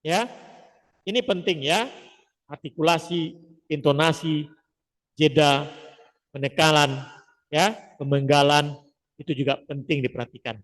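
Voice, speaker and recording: A man teaching public speaking in a lively, emphatic lecture style, often dropping short "ya" asides to the audience. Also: fairly high pitch, unhurried, pauses often, long reverb tail.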